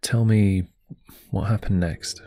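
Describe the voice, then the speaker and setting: A man playing a calm, probing interviewer in an audio drama, asking measured, clinical questions of a witness. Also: fairly low pitch. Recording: music behind.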